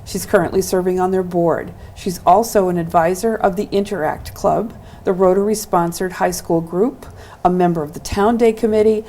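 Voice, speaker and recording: A woman's voice: lowish voice, steady tone, moderate pace, mellow. A woman hosting a local access television show, introducing guests and asking them encouraging questions. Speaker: host.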